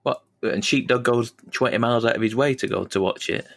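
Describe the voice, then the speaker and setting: A man's voice: medium pitch, fairly quick, vocal fry. A man co-hosting a podcast, talking hesitantly with stumbling restarts. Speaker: podcast co-host. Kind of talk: casual podcast chat.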